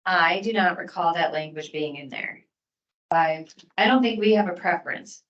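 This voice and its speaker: Woman, city official, low voice, plain-spoken briefing, echoey meeting room. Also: moderate pace, a bit bright, distant mic, dull audio.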